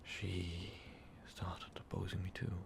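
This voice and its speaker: Ancient vampire overlord, acted by a man, low-pitched, creaky fry, brooding and sadistic, halting half-whispered confession, ASMR roleplay. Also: level tone, noisy background, exaggerated voice. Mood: cold, menacing. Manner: slow, halting confession, slipping often into whispers. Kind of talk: ASMR roleplay monologue, intimate storytelling.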